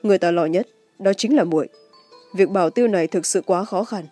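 Casting: stoic young swordsman read by a woman, mellow tone, cool and measured, wuxia audiobook with music. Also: on the low side, close to an everyday voice. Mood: resigned, tender. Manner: composed, measured. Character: calm, cold young male master swordsman, stoically facing death.

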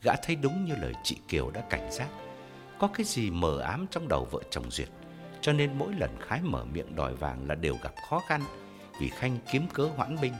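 A man narrates a story with dramatic expression. His pitch swings widely as he shifts into forceful character voices. Faint music plays under a long hall echo. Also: wildly swooping pitch, normal speed. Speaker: audiobook narrator.

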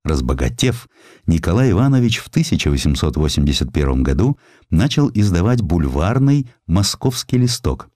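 Deep-voiced, animated male audiobook narrator. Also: dry recording, studio quality. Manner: theatrical, deliberate storytelling with emphatic phrasing. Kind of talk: expressive scripted narration of historical sketches. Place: dry studio.

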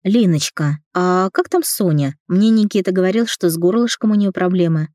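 A woman voicing a loud, bossy, fast-talking middle-aged mother in a storybook reading. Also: on the low side, no echo, clean studio sound, lightly acted. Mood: chattering. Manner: shouting, rapid chatter.

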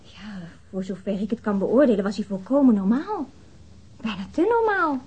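A woman's voice: on the high side, lively intonation, moderate pace, darkish tone, slightly rough, highs cut off. An actress in a radio drama playing a frank, flirtatious woman witness who speaks in a hesitant yet candid, matter-of-fact way. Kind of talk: radio drama acting, naturalistic dialogue.

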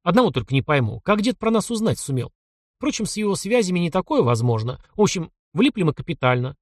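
A young army officer, voiced by a male reader, worn out and grumbling in weary complaint. His voice moves with a lively pitch and sits fairly high for a man. The sound is close and dry. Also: quick pace, dry recording. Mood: exasperated grumbling. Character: young male officer, exasperated reluctant grandson.

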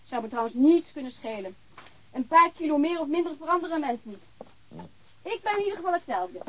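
Radio drama: frank, chatty young landlady, highish pitch, swooping intonation, earthy and unpolished. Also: expressive, fairly quick, fairly bright tone, low-quality recording. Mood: hungry, lively. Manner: blunt, swearing, informal. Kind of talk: naturalistic radio drama dialogue.

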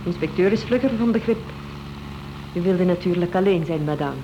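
A woman's voice: lowish voice, a little fast, lo-fi sound, lightly acted. A woman acting a cool, taunting wife in a radio play, with a sardonic, needling delivery. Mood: impatient, cool. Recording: noisy old radio drama recording.

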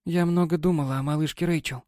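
A man voicing a gentle, loving captain's wife. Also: a little high, steady tone, fast, dry recording, clean studio sound, pitched above the performer's own voice, lightly acted. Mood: tender. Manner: soft, tender and coaxing. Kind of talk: audiobook character voice.

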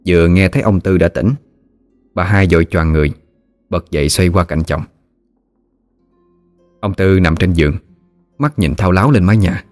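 A man tells a ghost story in a steady, unhurried manner. His voice is very low and even. Faint music runs under the narration.

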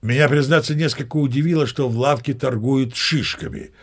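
In an audio play, an actor voices a boastful old sea captain narrating tall tales with chatty, old-fashioned courtesy in a storytelling mood. His voice is husky and medium-pitched, and he speaks briskly.

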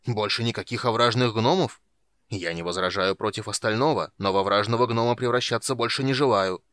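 A man's voice: on the low side, a little fast, fairly bright tone, dry recording, studio quality, lightly acted. A man voicing a petulant, whining huge black male dragon in an audiobook. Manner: whiny, pleading.

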